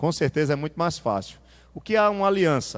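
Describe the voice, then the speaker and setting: A man with lively intonation at a moderate pace, in a very clean recording with a silent background. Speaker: pastor. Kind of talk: Bible study teaching. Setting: church.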